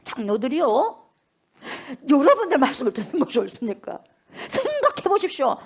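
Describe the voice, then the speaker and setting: A woman's voice: high-pitched, huge pitch swings, fairly quick. A woman preacher voicing a bold male apostle challenging the elders. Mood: defiant.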